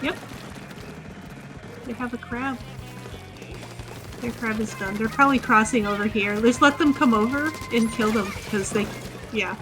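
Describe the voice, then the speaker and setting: A woman's voice: fairly high pitch, a little slow, pauses often, over music. A woman streaming a game while patiently coaching a newcomer, giving instructions and laughing often. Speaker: experienced player coaching a newcomer. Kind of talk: casual game stream chat.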